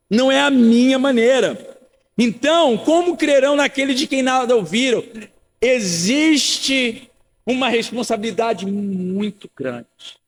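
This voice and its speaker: A man's voice: extremely high pitch, long reverb tail. A man in his thirties, from Rio de Janeiro, preaching an earnest, conversational sermon full of rhetorical questions and repeated phrases. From Rio de Janeiro, Brazil. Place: church sanctuary.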